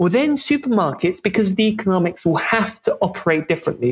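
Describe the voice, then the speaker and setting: With a southern English accent, a man speaks with lively intonation. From London, England. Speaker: food waste campaigner. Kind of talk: interview.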